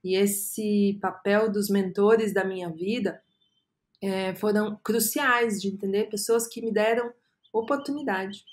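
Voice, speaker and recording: A woman in her thirties with a Brazilian Portuguese accent, a podcast guest telling her career story earnestly and often filling pauses with "é". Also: mid-range voice, fairly even intonation. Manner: earnest, storytelling, frequent "é" fillers. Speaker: guest, agency co-founder. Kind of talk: reflective podcast interview.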